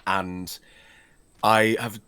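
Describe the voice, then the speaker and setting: A man's voice: fairly low pitch, steady tone, extremely slow, sharp tone, smooth, no echo. A man who speaks Welsh as his first language, chatting casually and playfully about voice acting while playing a game, slipping into impressions. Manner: playful, slips into impressions and accents. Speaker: guest voice actor. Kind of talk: casual chat while gaming.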